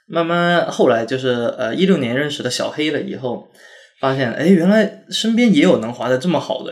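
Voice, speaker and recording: Through audible room echo, a man with a high pitch talks at a fairly quick pace, his pitch swinging very widely. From Guangdong, southern China. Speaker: ski club co-founder. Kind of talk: casual chat.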